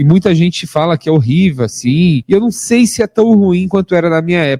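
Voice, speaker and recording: A man's high voice with a dark, mellow tone, ordinary pitch variation and a fairly quick pace, in a dry, close sound with no echo. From Minas Gerais, Brazil. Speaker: stand-up comedian. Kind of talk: podcast interview answer.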